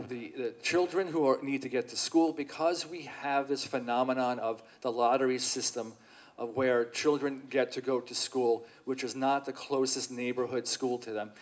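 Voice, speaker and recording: Deliberate, skeptical man in debate. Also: mid-range voice. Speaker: mayoral candidate. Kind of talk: debate answer.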